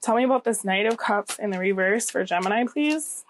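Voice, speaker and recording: A woman's voice: mid-range voice, a little fast. A woman with a cold giving a casual tarot reading, slightly scratchy and nasal, conversational and often checking in with the listener. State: getting over a cold. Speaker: tarot reader, channel host.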